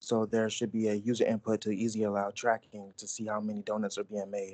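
Male speech at a moderate pace. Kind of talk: class presentation. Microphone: video call.

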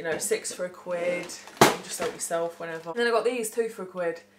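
Over loud background noise, a woman speaks at a very fast pace with ordinary pitch variation. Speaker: haul vlogger. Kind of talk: casual vlog chat. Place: kitchen.

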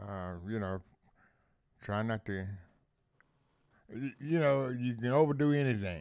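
Against a quiet background with dry sound and no echo, a man with a Southern US accent talks very slowly at a medium pitch, with lively intonation and long, frequent pauses. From Arkansas. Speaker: music historian and store owner. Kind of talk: interview answer. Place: home room. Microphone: studio mic.

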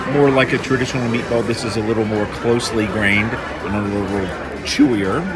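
The speech runs at a fairly quick pace with clear music in the background. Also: man. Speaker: food vlogger. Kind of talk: casual food review chat. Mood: pleased, relaxed. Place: bar. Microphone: phone near.

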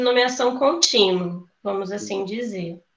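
Fairly slow speech from a woman with ordinary pitch variation and audible room echo. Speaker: course participant; course participant asking the professor. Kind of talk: class discussion question. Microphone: poor internet connection, no video; video call.

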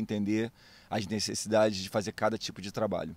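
The man talks at a fairly quick pace. The sound is dry with no echo, though there is noticeable background noise. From Rio de Janeiro state, São Gonçalo/Niterói; Rio de Janeiro state, Brazil. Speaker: football fitness coach. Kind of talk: casual interview. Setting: outdoors at training ground. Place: stadium. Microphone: handheld.

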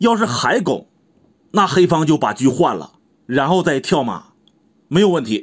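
A fairly high male voice with vocal fry and very wide pitch swings, fairly slow, with long, frequent pauses. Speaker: chess commentator. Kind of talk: chess game commentary video. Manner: casual, conversational.

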